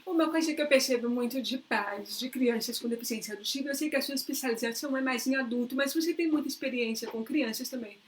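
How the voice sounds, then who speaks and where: A woman's voice: high voice, fast, hardly any pauses. A woman host with a Brazilian Portuguese accent, interviewing a guest over a video call and asking long, framed questions.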